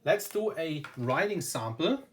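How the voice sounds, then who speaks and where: A German man speaking English with a German accent, chatting casually and with enthusiasm as he reviews a pen at his desk. He keeps stacking up "very, very" and "you know" in a relaxed, unscripted way. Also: on the high side, unhurried, background noise. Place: indoors at a desk.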